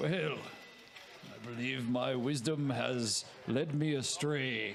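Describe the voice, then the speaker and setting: A man's put-on character voice, pompous and theatrical in tone, at a medium pitch and very slow pace over clear background noise. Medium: actual play. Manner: pompous, theatrical.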